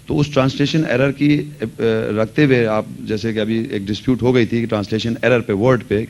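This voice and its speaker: A man's voice: medium pitch, darkish tone, a little hiss or hum. A man giving a religious lecture, earnestly explaining and mixing English words into his speech. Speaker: Quran lecturer.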